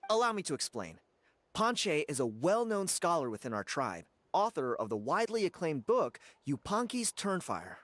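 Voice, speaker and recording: An actor playing a friendly, upbeat young tribesman in a video game, talking warmly and enthusiastically. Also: on the high side, sing-song, moderate pace, no room sound. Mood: enthusiastic. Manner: warm and enthusiastic.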